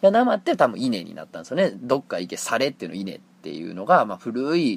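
A man with a Kansai accent talks at a very fast pace and medium pitch. His voice shows vocal fry and very wide pitch swings. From Kansai, Japan. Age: 30s. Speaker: podcast host and manga artist. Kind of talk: casual solo talk. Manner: animated.

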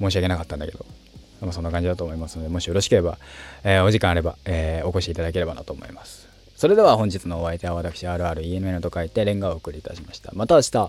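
Music plays in the background while a man talks at a very fast pace with a very deep, low pitch. His intonation stays fairly even, but his loudness swings widely. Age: 20s. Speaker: podcaster. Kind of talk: casual monologue. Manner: relaxed, chatty.

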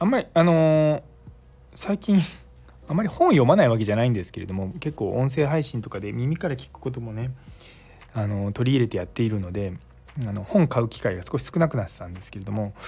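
A man at medium pitch at a very fast pace, with very wide pitch swings and big swings in loudness. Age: 40s. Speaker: anesthesiologist podcaster. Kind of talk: casual solo talk.

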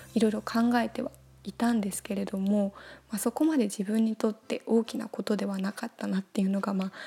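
Recorded dry and close with no echo, a woman with a fairly high, dark, mellow and somewhat breathy voice talks at a fairly quick pace in a relaxed tone with fairly even intonation. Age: 20s. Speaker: freelance web designer and podcaster. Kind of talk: casual solo podcast talk. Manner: relaxed, easygoing.

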